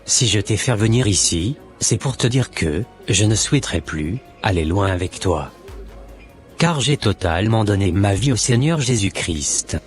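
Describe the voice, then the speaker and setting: A man's voice: on the low side, expressive, moderate pace, soft background music, close to an everyday voice. A man playing a newly converted Christian man in a cartoon, who speaks earnestly and exhorts others.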